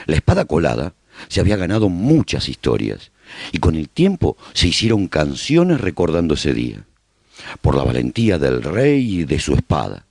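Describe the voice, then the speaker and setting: A man's voice: a bass voice, huge pitch swings, normal speed, creaky, a little mellow, dry recording, studio quality, full character voice. A man playing a survivor who hosts a radio broadcast, narrating a post-apocalyptic chronicle as a scripted radio serial. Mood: solemn, proud.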